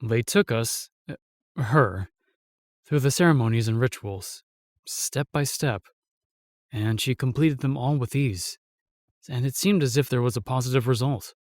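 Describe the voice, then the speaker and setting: A man playing a solemn, remorseful knight in a fantasy audio drama, telling things in a halting, weighty way. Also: medium pitch, no echo, clean studio sound, natural voice. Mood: grave, reluctant. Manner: halting, weighty storytelling with sighs and pauses. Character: solemn, remorseful knight, sworn protector of the realm.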